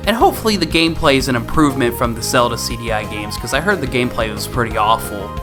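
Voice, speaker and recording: A man hosts a casual game review in an informal, slightly sweary way. His pitch moves around a lot, and music plays clearly behind him. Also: lively intonation, fast talker. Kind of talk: casual video commentary.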